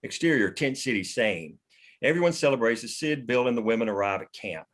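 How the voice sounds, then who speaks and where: A man's voice: mid-range voice, lively intonation, brisk. A man reading scripted screen directions as the narrator of a table read.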